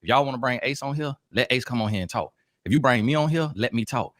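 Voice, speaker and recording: Preachy man with a lively, swinging voice. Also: medium pitch, fast talker, no echo, clean studio sound. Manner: preachy, emphatic, moralizing. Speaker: podcast guest. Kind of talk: heated debate.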